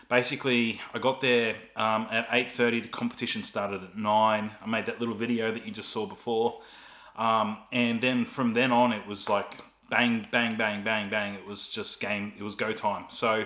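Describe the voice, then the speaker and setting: A man talks at a moderate pace in a monotone, flat intonation. The room echo is audible. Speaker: vlogger. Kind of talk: casual vlog chat. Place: home room. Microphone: phone near.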